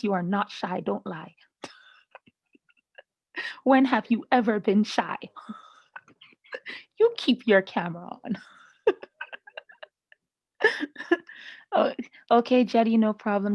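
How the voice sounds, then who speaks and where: A woman's voice: medium pitch, a little mellow, no echo. A woman teaching a live online class, chatty and laughing often with students over a video call. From Canada. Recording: slightly muffled dry video-call audio.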